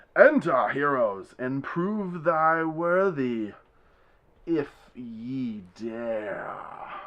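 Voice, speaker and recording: Putting on a character voice, a man booms out at a fairly high pitch, raised and projected, at a very slow pace. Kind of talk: archaic, formal. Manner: commanding.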